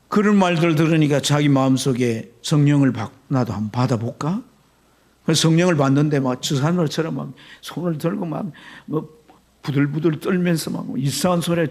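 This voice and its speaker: A male pastor delivers a Sunday sermon in a church, telling a story with big dramatic swings. His voice sits high and has a husky edge. He drops to near whispers in quoted lines and then rises sharply again. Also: a little mellow. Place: church sanctuary.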